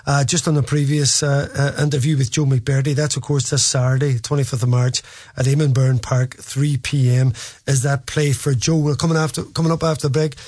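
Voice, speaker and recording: A man's voice: medium pitch, level tone, fairly quick, darkish tone, no room sound, studio quality. A man with a Donegal Irish accent hosting a sports show in a conversational presenting style.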